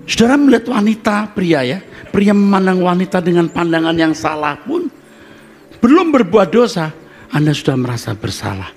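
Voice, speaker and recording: Animated male preacher with lively pitch. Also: normal speed, slightly rough, faint music behind. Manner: animated, swinging between hushed asides and loud emphatic bursts; jokes with and teases the congregation. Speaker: pastor. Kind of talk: live sermon. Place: church service with live congregation.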